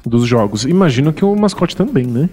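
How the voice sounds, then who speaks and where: Husky guy joking around on a podcast, voice jumps all over, roomy with some music. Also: mid-range voice, brisk. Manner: animated, jokey banter. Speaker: podcast co-host. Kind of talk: casual podcast chat.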